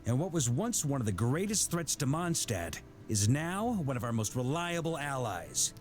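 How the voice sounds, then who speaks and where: Man playing a jovial knight commander, hugely animated. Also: mid-range voice, moderate pace, faint music behind, natural voice. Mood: reflective. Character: jovial, roguish middle-aged male knight grandmaster, worldly and warm-hearted. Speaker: game character giving voice lines. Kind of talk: scripted video game voice acting.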